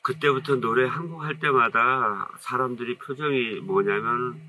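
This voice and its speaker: Speaking in a heavy Jecheon dialect of North Chungcheong, Korea, this saxophonist guest in his fifties recounts stories casually, relaxed, modest, and rambling. His voice is mid-range and measured. The interview is shot as a seated two-shot in an indoor studio with a curtain backdrop, using an off-camera microphone.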